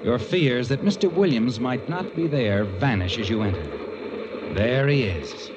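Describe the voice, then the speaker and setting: An American actor playing an insinuating, all-knowing narrator who needles the character in a 1940s radio thriller. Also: male voice, mid-range voice, expressive, unhurried, noisy background, close to an everyday voice. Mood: taunting, suspenseful. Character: the Whistler, taunting all-knowing male narrator of crime tales. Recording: muffled old radio recording under music. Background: dramatic music.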